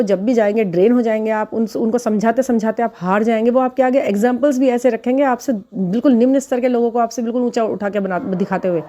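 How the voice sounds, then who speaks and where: A woman who gives spiritual readings talks straight to her viewers in a loose, chatty way. Her voice sits a little high and sounds soft and mellow. She breaks into laughter at her own examples. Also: dull audio. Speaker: spiritual relationship reader. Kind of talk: casual advice talk to viewers.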